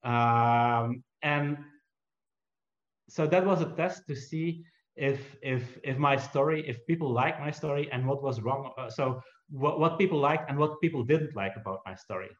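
Halting man with Dutch roots. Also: medium pitch. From Belgium. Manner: halting, frequent restarts, self-deprecating humor. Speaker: entrepreneur and author, interview guest. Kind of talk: conversational interview answer. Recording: roomy, slightly dull recording.

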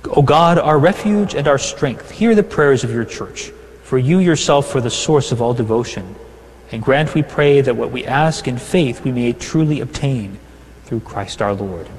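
Solemn priest with cathedral echo. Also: male voice, medium pitch, lively intonation, slight background noise. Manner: measured, solemn reading of set prayers. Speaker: priest celebrating Mass. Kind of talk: liturgical prayer, partly chanted. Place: large church. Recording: long church reverb.

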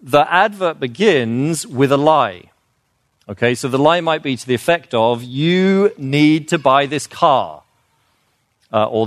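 A man's voice: medium pitch, no echo, clean studio sound. A man giving an informal, earnest lecture, explaining with fillers and restarts and growing emphatic on his key points. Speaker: speaker on children's literature.

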